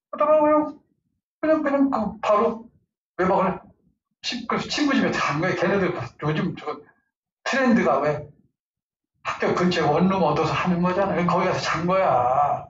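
A man in his fifties giving a lively parenting lecture, laughing often and acting out angry outbursts as examples. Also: high-pitched. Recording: far-off roomy lo-fi lecture recording with faint noise.

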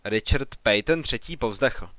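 A man narrates a science fiction story in a measured, calm reading. His voice sits at a middle pitch. The recording is close and dry. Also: no echo. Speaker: audiobook narrator. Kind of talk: scripted narration.

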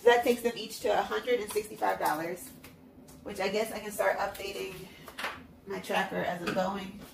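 A woman's voice: mid-range voice, fairly even intonation, moderate pace, gravelly, roomy sound, noisy background. Congested woman chatting while stuffing cash. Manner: chatty, upbeat, self-encouraging. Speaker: budgeting vlogger. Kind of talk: casual narration while counting cash. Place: at home, at a table. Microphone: hands-only overhead camera, mic off-frame.

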